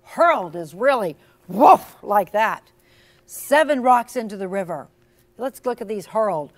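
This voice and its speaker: A woman's voice: mid-range voice, animated, a little slow. A woman storyteller doing an interactive read-aloud for young children, encouraging and teacherly, with theatrical emphasis. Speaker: storyteller and author. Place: in front of a class of children.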